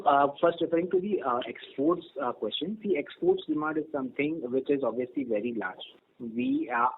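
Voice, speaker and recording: A man with an Indian accent answering questions as a company executive on an earnings call, in a measured, hesitant, formal manner. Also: mid-range voice, slightly rough. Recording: narrow tinny conference phone line.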